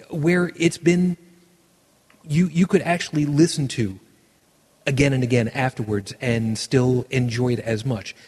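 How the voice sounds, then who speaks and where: A podcast host rambles through his points in a casual conversation, tossing in dry, joking asides. His voice is on the high side, darkish and slightly rough, trailed by a long reverb tail.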